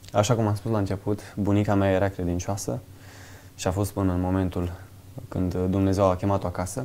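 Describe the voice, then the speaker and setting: A man talks at a fairly quick pace in a fairly low voice. His tone is dark and mellow, his intonation fairly even. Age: 20s. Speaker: nurse; interview guest. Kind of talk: testimony. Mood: calm, reflective. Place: studio. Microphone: lapel.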